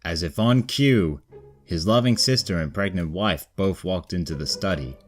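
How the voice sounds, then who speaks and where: A man's voice: sits low, moderate pace. A man narrating scripted comedic fan fiction as a storyteller, with music behind him. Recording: background music under the voice.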